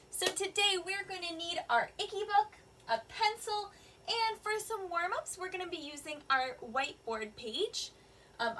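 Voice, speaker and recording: A woman kindergarten teacher leads a reading lesson, stretching each word out slowly for small children. Her voice is high and bright, with a sing-song lilt. The mic sits a little far away, and a faint room ambience is heard behind her. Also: a little hiss or hum.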